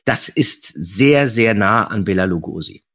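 A man with a husky voice making casual comments in a relaxed podcast conversation. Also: on the low side, a little slow. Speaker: podcast participant. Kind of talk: casual chat, interjecting comments.

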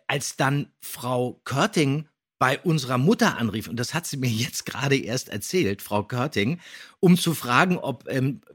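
Husky middle-aged man reminiscing casually. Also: mid-range voice, fairly bright tone. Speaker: podcast host, voice actor.

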